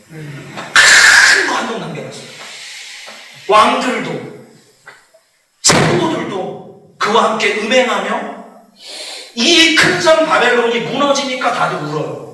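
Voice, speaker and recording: A man preaching as a missionary, lively and laughing, acting out quoted voices. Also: extremely high pitch, takes it slowly, long pauses, slight background noise. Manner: animated, acts out quoted voices, laughs often. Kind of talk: sermon lecture. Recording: echoey hall, far from mic.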